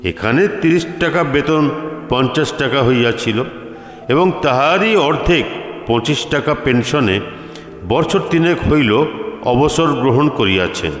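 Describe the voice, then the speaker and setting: A man reading a literary story as narrator, with formal, deliberate phrasing. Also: mid-range voice. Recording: echoey, long reverb, music behind. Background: music.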